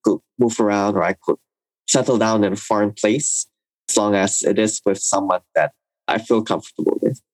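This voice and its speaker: A young man from Indonesia, speaking thoughtfully in a recorded interview and pausing with fillers as he reflects. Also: fairly low pitch, dry recording, poor audio. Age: young adult. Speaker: interviewee, university student.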